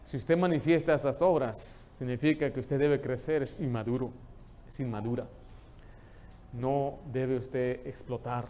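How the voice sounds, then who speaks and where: Animated pastor preaching. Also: male voice, medium pitch, a little slow. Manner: lively storytelling, joking with the congregation. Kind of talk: sermon. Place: church.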